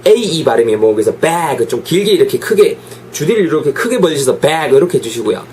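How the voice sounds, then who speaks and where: A man teaching an English lesson with a lively voice, drilling pronunciation through repeated examples. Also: a little high, fast, a little hiss or hum.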